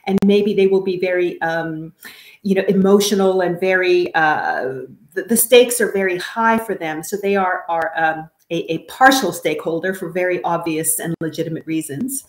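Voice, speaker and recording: A woman from Canada speaking as an expert guest, giving measured, careful explanations in an interview. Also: fairly low pitch. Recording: roomy, echoey sound.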